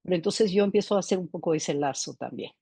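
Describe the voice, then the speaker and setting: A woman's voice: on the low side, fast talker, gravelly, mellow, husky, no echo. A middle-aged woman presenting a clinical case in a seminar, reflective and often ending phrases with a questioning "¿no?". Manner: reflective, tags sentences with "¿no?". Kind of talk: seminar lecture, case narration.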